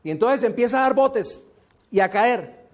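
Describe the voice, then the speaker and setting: A man giving a motivational seminar talk, slow and emphatic, often asking rhetorical questions. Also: very high-pitched, lively intonation. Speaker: motivational speaker.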